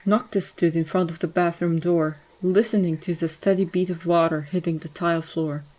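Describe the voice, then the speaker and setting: Low-voiced woman narrating a story. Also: fairly even intonation, normal speed, a little mellow, a little hiss or hum, poor audio.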